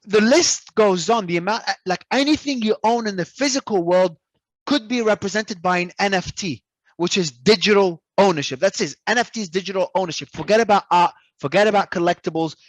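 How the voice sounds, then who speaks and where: A man from Australia, a guest talking in an animated, emphatic way and often repeating words as he restarts. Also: high voice, fairly quick, no echo. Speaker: crypto entrepreneur guest. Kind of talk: casual interview talk.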